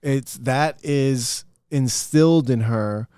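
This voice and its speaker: A middle-aged man with a deep voice, telling loud, profane family stories in a casual podcast chat. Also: slow pace, clear, resonant tone, dry recording, clean studio sound. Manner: loud, profane, animated storyteller. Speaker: podcast host.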